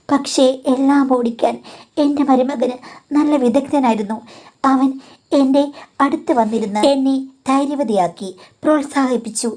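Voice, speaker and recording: A woman narrates a first-person confessional story, confiding and direct, as if speaking to a counselor. Her voice is mellow and warm, and it sits a little high. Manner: confiding, addresses a listener as madam.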